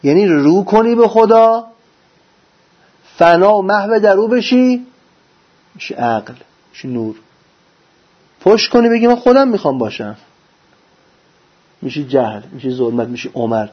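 A man delivers a religious lecture in a slightly high, husky voice. He preaches with lively rhetorical questions and answers each one himself. The recording sounds dull and lo-fi. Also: pauses often. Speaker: religious teacher.

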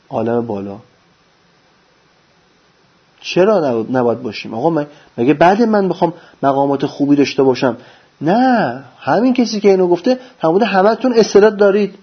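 A man delivers a religious lecture in a slightly high, husky voice. He preaches with lively rhetorical questions and answers each one himself. The recording sounds dull and lo-fi. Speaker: religious teacher.

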